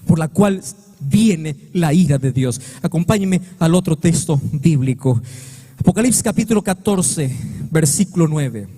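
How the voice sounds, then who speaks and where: A man preaching a sermon as pastor, with impassioned delivery that swings from high sung cries to low, drawn-out words. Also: mellow, breathy edge. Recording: long reverb of a church hall.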